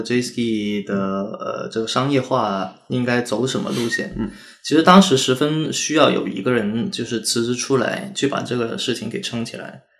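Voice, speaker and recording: A man with a Cantonese accent speaks at a medium pitch, with noticeable background noise behind him. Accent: Cantonese-accented Mandarin. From Guangdong, southern China. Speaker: ski club co-founder. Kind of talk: casual chat.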